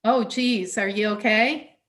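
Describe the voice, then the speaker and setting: A woman's voice: mid-range voice, steady tone, slow, fairly bright tone. Woman chairing a video-call meeting. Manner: friendly, informal, with fillers. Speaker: council chair running a remote meeting.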